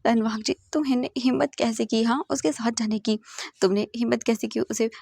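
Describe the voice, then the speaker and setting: A woman's voice: a little high, fairly even intonation, moderate pace, creaky, darkish tone, no room sound, studio quality. A woman voicing a drunk, jealous young man who stammers and repeats his words in a hurt, whiny way, in a storybook reading. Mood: drunk, sulky.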